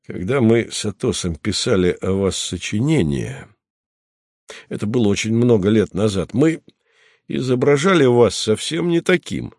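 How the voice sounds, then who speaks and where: A man's voice: on the low side, animated, moderate pace, a little mellow, no echo. A man reading the part of a patient, matter-of-fact base commander with a dry irony, in an audiobook.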